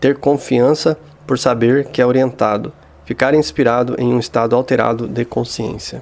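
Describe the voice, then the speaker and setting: Pitch moves in an ordinary way throughout. The delivery keeps a moderate pace. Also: man. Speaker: tarot archetype teacher. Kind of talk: lecture.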